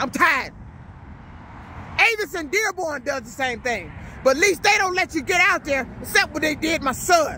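Her voice raised and projected, a woman speaks with lively intonation in a dry sound with no echo, with light background noise behind her. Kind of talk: angry vlog rant. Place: street. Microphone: phone near.

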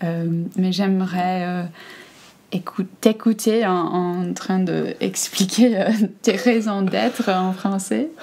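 A woman with a dark, mellow tone, speaking at a very slow pace. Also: medium pitch for a woman, ordinary pitch variation. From Australia. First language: English (speaking French). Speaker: YouTuber; vlogger. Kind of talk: casual chat. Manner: halting. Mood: relaxed, amused. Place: home room. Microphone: camera far.

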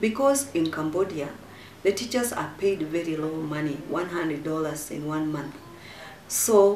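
A woman with a very deep, low voice and ordinary pitch variation speaks amid audible room echo and light background noise. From Kenya. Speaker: missionary. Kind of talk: testimony. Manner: halting. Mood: warm, earnest. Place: home room.

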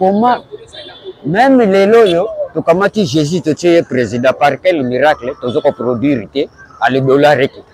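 Speaking at a very slow pace with long, frequent pauses, a man with a fairly high pitch makes very wide pitch swings in a dry sound with no echo. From DR Congo. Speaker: voter interviewed on the street; interviewee. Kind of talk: street interview, political opinion. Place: street. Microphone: lapel.

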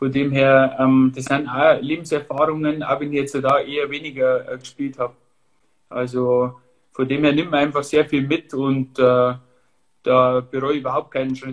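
A man with a Bavarian accent speaks at a moderate pace and a fairly high pitch. His intonation stays monotone and flat. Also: quiet background. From Bavaria, Upper Palatinate near Regensburg. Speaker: football player. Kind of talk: interview. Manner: halting, many filler sounds. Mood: calm, content. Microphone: phone near.

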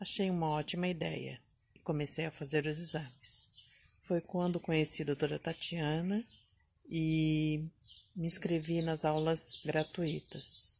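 A woman with a fairly low, somewhat breathy voice talks at a fairly slow pace in a flat, monotone delivery. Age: 50s. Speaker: retiree giving customer testimonial. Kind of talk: testimony. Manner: slightly halting. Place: garden. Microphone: phone near.

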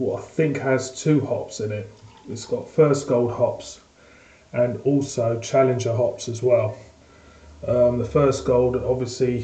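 A man talks fairly slowly, and room echo can be heard around him. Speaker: beer reviewer. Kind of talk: casual review vlog. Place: home room. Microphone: webcam.

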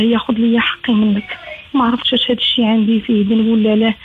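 A woman talks at a fairly quick pace in a monotone, flat intonation, with noticeable background noise. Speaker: caller. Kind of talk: phone-in plea for advice. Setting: phone call.

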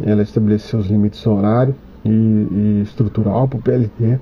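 With a Brazilian accent, this somewhat breathy speaker talks at a moderate pace in a monotone, flat intonation over light background noise. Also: man. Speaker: regulatory agency technical staff. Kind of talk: formal technical presentation. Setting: video call. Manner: halting. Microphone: video call.

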